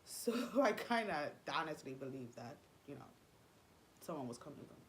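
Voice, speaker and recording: A young woman whose first language is Spanish speaks in a low, unhurried voice. She confides her story in a rambling way, full of fillers and false starts. A faint hum of room noise sits underneath her. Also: sing-song, fairly bright tone. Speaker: vlogger. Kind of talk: personal storytelling vlog.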